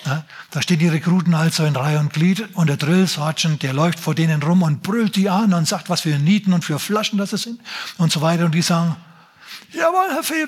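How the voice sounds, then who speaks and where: A man preaching a sermon, talking emphatically with drawn-out phrases and addressing the congregation directly. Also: on the high side, slightly rough. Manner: emphatic, drawn-out phrases, shouts in mock drill voice.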